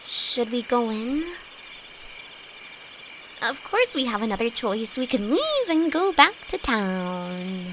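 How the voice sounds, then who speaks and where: A woman's voice: on the high side, big pitch swings, slow, pauses often, a bit bright, slight background noise, exaggerated voice. A woman playing a timid, easily frightened young apprentice alchemist, affectionate and hesitant, with a nervous stammer, in a fantasy audio roleplay. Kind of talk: fantasy roleplay audio drama, intimate one-sided dialogue. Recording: night cricket and insect ambience throughout. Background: crickets and forest ambience.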